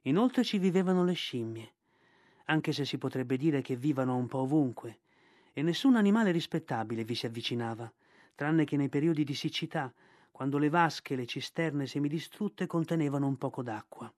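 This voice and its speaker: A man reading a novel aloud in a measured, expressive narrating voice. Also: a little high, no echo, clean studio sound. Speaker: audiobook reader.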